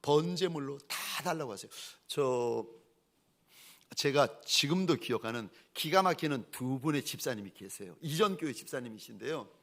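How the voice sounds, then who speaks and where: A man preaching a sermon as a pastor, telling stories in an animated way and acting out the people he quotes. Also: mid-range voice, normal speed.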